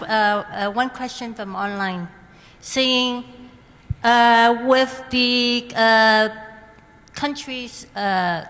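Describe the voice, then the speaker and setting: A woman moderating a panel, reading out a question in a halting way with many fillers. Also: medium pitch, fairly bright tone. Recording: reverberant hall.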